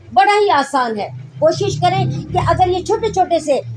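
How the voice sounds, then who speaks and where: A woman talks while noticeable background noise carries on around her. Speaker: majlis speaker. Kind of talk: religious sermon addressed to the women's gathering.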